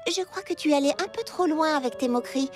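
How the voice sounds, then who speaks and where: Woman as a very high, sensible cartoon girl. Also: fast talker, natural voice. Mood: reproving. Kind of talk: animated French-language cartoon dubbing. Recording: background music under the dialogue.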